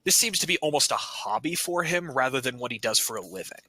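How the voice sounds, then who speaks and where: A man narrates a tabletop game as game master, loose and joking, and he curses casually. His voice is very bright and sits close and dry. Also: medium pitch, lively intonation, quick pace, no room sound, low-quality recording. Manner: casual, joking, swears freely.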